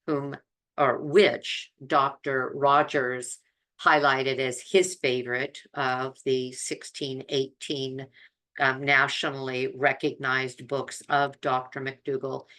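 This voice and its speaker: Older woman, very low pitch, slow pace, halting deliberate phrasing, informal health coach talk. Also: level tone, fairly bright tone. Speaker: health coach and video host.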